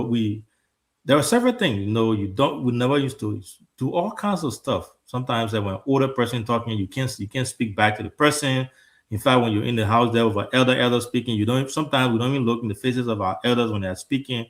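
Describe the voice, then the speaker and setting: A Liberian man with a Liberian accent hosts a talk show in a casual, earnest tone. He often stumbles back over a word before going on, and his voice sits at an ordinary middle pitch. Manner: earnest, repeats words when restarting.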